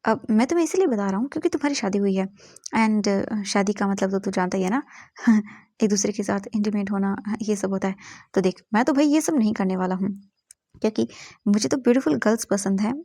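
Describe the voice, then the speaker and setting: A woman voicing a cheeky, brash young man who teases and mocks with quick retorts. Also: mid-range voice, dark tone, no room sound, clean studio sound, lightly acted. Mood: teasing, brash. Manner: playful, mocking, quick retorts.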